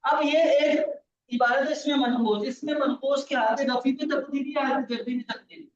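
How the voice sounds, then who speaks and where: A man's voice: very high voice, fairly even intonation, normal speed, slight background noise. A male teacher giving a grammar lesson in a patient, repetitive way, checking that his student understands. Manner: patient, repeats key points, checks understanding. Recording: distant, roomy, dull lo-fi sound.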